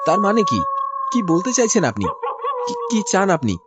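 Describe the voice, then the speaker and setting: A man plays a frightened young man lost at night in a cartoon horror tale. He stammers and fires off anxious questions. His pitch moves in a lively way. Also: moderate pace, very noisy. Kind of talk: cartoon voice acting.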